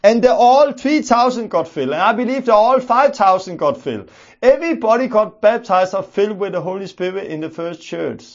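High-voiced Danish-accented male preacher. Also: animated, brisk, lo-fi sound. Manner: earnest, emphatic, repeats key phrases. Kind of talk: teaching sermon.

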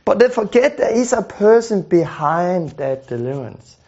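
Here a deliverance ministry teacher speaks in a high, very animated voice with a darkish tone, keeping to a normal speed. His lesson is earnest, full of repeated words and restarted phrases. The audio is dull and lo-fi.

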